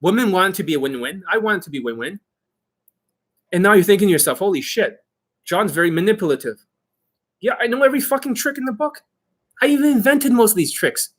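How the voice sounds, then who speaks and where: A man giving informal coaching to online viewers as their host, brash and boastful, with emphatic, sweary delivery and a slightly rough, husky voice. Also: high-pitched, expressive, fast talker, long pauses. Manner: acts out mock exchanges, emphatic.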